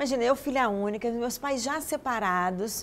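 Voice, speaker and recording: A woman talks with lively intonation. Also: very clean recording, silent background. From Rio de Janeiro suburbs, Brazil. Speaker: TV presenter. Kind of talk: interview.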